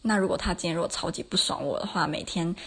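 A woman's voice: on the low side, fast talker, a bit bright, breathy edge. A woman, hosting a casual solo podcast and telling self-mocking stories with plenty of laughs. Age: 20s. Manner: chatty, self-mocking anecdotes with frequent laughs. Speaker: podcast host.

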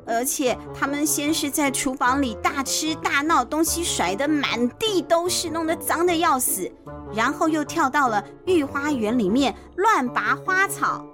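A woman's voice: high voice, lively intonation, a little slow. A woman with a Taiwanese accent narrating a children's bedtime story expressively, with playful asides. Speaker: children's storyteller, podcast host. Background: clear background music.

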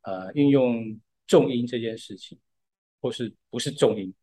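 A man talks through a music topic on a casual podcast. His voice sits at an ordinary middle pitch. He is patient and explanatory, and he leans on frequent filler words as he goes. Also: a little slow, warm tone. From Taiwan. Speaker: podcast co-host.

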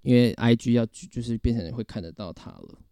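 A man's voice: mid-range voice, fairly quick, clear, resonant tone, no echo, clean studio sound. A young man with a Taiwanese Mandarin accent co-hosting a podcast, telling a story bluntly with lots of swearing and imitated voices. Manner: animated storytelling, blunt and profane, mimics others' voices. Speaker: podcast co-host. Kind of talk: casual chat.

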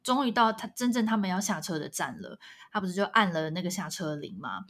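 A woman co-hosting a casual chat podcast, telling a story with lively delivery and acted-out quotes. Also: lowish voice, a little fast. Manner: animated, acts out quoted voices. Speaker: podcast co-host.

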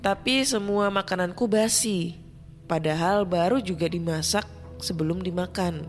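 A woman narrating a first-person horror story in a tense, hushed way, acting out the lines of people in it. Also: lowish voice, moderate pace. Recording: music playing underneath.

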